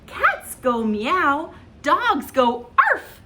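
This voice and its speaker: A woman voicing a worried mother dog who scolds her pup in a storybook reading, stressing each word slowly and loudly. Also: high-pitched, sing-song, full character voice. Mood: scolding. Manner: emphatic, slow and drawn out.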